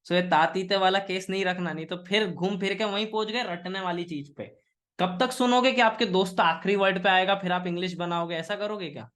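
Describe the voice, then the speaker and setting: A man from India teaching English in a live online class, mixing Hindi and English, often asking students questions and slowing down on example sentences. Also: sits high, fairly even intonation, a bit bright. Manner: Hinglish, engaging students with questions; slow, pausing model sentences.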